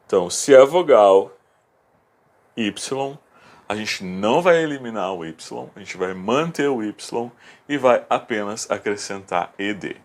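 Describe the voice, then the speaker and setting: A man teaching a video lesson, explaining rules patiently and step by step, repeating key words slowly. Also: fairly low pitch, expressive. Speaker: English teacher.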